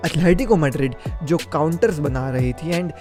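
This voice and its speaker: This is a young man reviewing a football match in a chatty, opinionated way. His voice sits a little high yet sounds warm and mellow. Faint music plays quietly behind him. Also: lively intonation, moderate pace.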